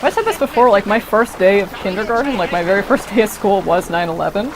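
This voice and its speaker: A woman's voice: mid-range voice, lively intonation, quick pace, noisy background. Rambling swearing young woman streamer. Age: 20s. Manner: rambling, digressive, swears freely. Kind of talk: casual gameplay commentary.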